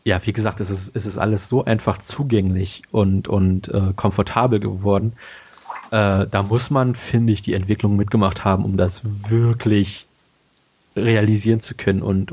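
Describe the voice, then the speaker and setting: Husky-voiced man in his late twenties. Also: on the low side, a little mellow. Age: late 20s. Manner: rambling, many fillers and restarts, laughs often. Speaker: podcast co-host. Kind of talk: casual chat.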